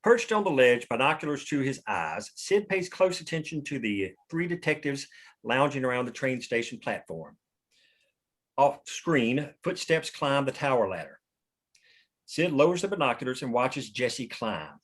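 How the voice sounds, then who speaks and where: A man's voice: medium pitch, sing-song, normal speed, fairly bright tone. A man reading scripted narration and scene directions at a table read. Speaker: stage-direction reader.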